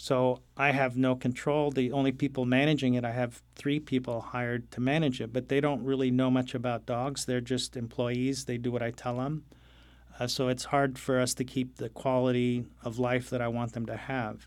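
A man speaks with an American accent at a moderate pace. His intonation is monotone and flat. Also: medium pitch for a man. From Saudi Arabia, American compound. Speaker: animal rescuer and former lawyer. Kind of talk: interview. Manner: halting.

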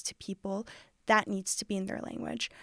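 With an Arabic accent, the voice is heard in a very clean recording with a silent background and a dry, close sound with no echo. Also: woman. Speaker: immigrant rights organizer. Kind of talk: radio interview.

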